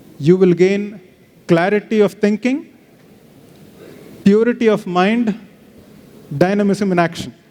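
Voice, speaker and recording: With a South Indian accent, a man with a high pitch and a dark, mellow tone speaks at a fairly slow pace, with very even loudness and long, frequent pauses. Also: ordinary pitch variation. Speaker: motivational speaker, spiritual teacher. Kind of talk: motivational talk.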